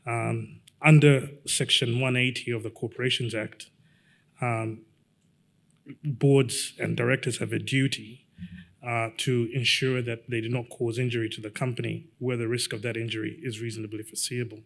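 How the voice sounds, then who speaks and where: A middle-aged man from Zambia giving a measured, halting conference presentation as a lawyer, with frequent fillers. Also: medium pitch, level tone, vocal fry.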